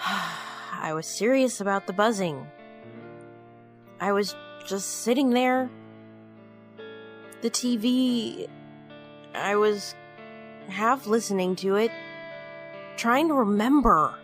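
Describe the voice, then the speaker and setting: A woman's voice: medium pitch, takes it slowly, pauses often, faint music behind, close to an everyday voice. An actress playing a frightened, frustrated woman with no memory in an audio drama. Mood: weary, frustrated.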